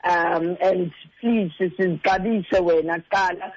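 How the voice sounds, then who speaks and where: Speaking in a steady, high-pitched tone without hurry, a Xhosa-accented South African man acts as a relationship counsellor. He gives sincere, straightforward guidance in a blend of two languages, leaning on repetition to stress what matters. The recording is dull and echo-free.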